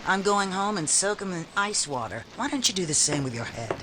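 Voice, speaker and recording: A man acting as a tough, sarcastic office owner in an old radio noir. The voice sits fairly high, snappy and slangy, against clearly noisy background sound. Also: big pitch swings, fairly quick. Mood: hostile, dismissive. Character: brassy, tough, sarcastic secretarial service owner Connie. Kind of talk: 1940s radio drama acting.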